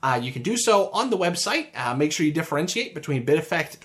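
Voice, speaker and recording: A man's voice: on the high side, very animated, quick pace, fairly bright tone. A man co-hosting a podcast in casual chat, rambling and hesitant with lots of laughter. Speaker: podcast co-host.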